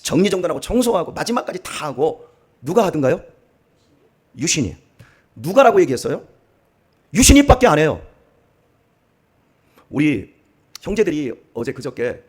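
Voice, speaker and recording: A middle-aged man, a pastor, preaching a dawn sermon in a church, swinging from soft asides to emphatic exhortation. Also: a little high, husky. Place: church sanctuary.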